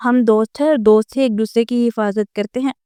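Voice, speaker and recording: A woman reading as a gentle, childlike husband. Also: on the high side, fairly even intonation, smooth, no room sound, close to an everyday voice. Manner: gentle, simple, affectionate. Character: grown man with a childlike mind, gentle. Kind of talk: storybook reading.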